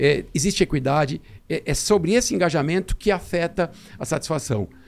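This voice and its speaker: Vocal fry runs through a man's lively intonation. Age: 50s. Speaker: franchise consultant. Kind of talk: podcast interview.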